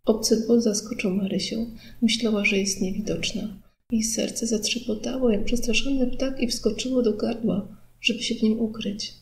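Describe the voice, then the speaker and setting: A woman reads a novel aloud in calm, even audiobook narration, recorded in a studio. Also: fairly high pitch, normal speed, vocal fry, slight background noise, poor audio.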